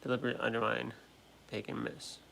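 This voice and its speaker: An American man in his late twenties hosting a casual livestream chat, talking in a halting, repetitive way that often interrupts itself. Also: medium pitch, completely flat delivery, vocal fry, a bit bright, slight background noise, low-quality recording. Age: late 20s. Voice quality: trouble pronouncing R sounds. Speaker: livestream host. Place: at home.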